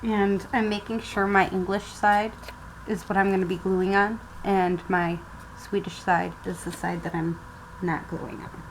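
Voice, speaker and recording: A craft vlogger narrates a casual tutorial at her table at home, slowly thinking aloud as she works and sometimes turning away from the camera mic. Her voice is mid-range with little pitch movement, and the low-quality recording has audible background noise.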